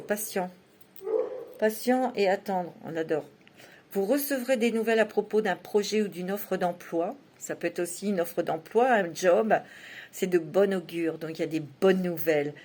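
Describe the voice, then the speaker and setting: A woman's voice: mid-range voice, darkish tone. Chatty woman reading tarot cards. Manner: chatty, laughs often, many fillers like "hein". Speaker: tarot reader. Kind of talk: casual monthly tarot reading.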